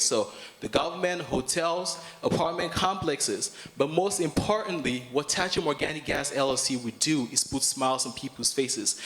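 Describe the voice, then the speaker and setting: Cameroonian man giving a business pitch. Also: fairly bright tone. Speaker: student entrepreneur pitching a business. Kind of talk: prepared business pitch to an audience.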